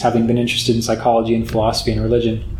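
A man talks in an American accent. Room echo is audible. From West Virginia. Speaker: yoga and meditation teacher. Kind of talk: talk to a retreat group. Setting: retreat session with live audience. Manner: many fillers (um, uh).

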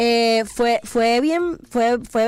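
A woman speaks with a Venezuelan accent at a fairly high pitch. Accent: Venezuelan, kept. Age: 20s. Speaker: stand-up comedian. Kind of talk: casual chat.

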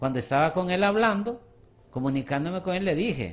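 A man is speaking. His pitch swings very widely. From Honduras, Santa Bárbara. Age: 60s. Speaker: alien contactee and naturopath. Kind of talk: testimony.

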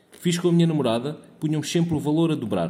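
A man's fairly high voice, somewhat breathy, with a dark, mellow tone. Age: 30s. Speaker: listener. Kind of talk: recorded listener testimony.

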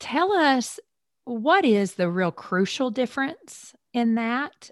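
The sound is dry and close with no echo, in a very clean recording with a silent background. A woman speaks with very wide pitch swings. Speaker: podcast host. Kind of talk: casual interview chat.

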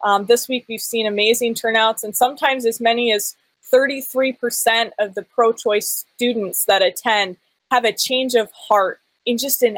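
A woman speaks at a fairly slow pace in a normal speaking voice, with a fairly high pitch and fairly even intonation. The sound is dry and close, with no echo. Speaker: nonprofit executive director, campus pro-life organizer. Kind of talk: radio interview.

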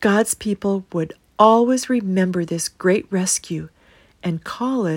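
Here a speaker is reading aloud in a natural voice, with ordinary pitch variation.

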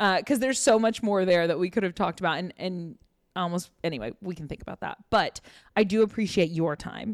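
A woman with an American accent and an ordinary speaking voice talks at a fairly quick pace, her medium pitch carried by lively intonation. Her loudness swings widely, and the sound is dry and close with no echo. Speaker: podcast host. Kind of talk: casual interview chat.

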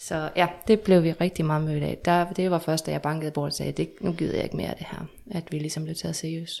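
A woman speaks very fast in a very deep, low voice with a dark, mellow tone and a monotone, flat delivery. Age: 30s. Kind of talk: casual chat.

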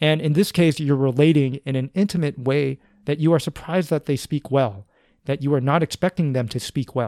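A man with an American accent has a dark, mellow tone and a fairly high pitch, with ordinary pitch variation. The sound is dry and close, with no echo. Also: fairly quick pace. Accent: American accent when speaking Korean. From United States. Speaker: history podcast host. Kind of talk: educational narration. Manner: casual, with hesitations and self-corrections.

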